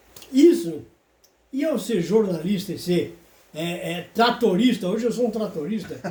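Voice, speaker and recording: A man's high voice with a dark, mellow tone, fairly slow pace and lively intonation, in audible room echo. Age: 70s. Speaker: retired sports journalist. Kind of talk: interview. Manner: hesitant, many filler sounds.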